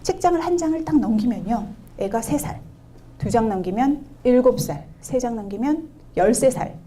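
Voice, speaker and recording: A woman's voice: a little high, moderate pace, slight background noise. A middle-aged woman giving a public lecture on picture books to parents, asking the audience questions and acting out quotes. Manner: lively, asks the audience questions, acts out quotes. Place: community event hall.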